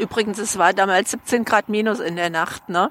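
Noticeable background noise sits under a woman's voice, which shows ordinary pitch variation. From Germany, Hesse, Rhön border region. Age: 60s. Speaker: tour guide. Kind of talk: guided tour talk.

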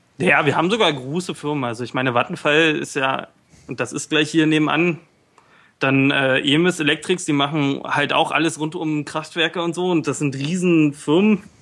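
This is an unremarkable speaking voice, moving at a moderate pace with fairly even intonation. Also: man, fairly high pitch for a man. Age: 20s. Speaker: hackerspace club member. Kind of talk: casual chat.

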